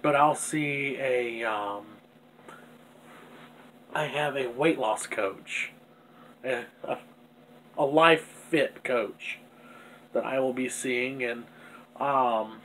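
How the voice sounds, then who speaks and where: A man's voice: mid-range voice, drawn-out words, long pauses, a bit bright, a little hiss or hum. A man with a stuffy nose talking candidly and self-critically in a rambling personal video diary. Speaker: vlogger.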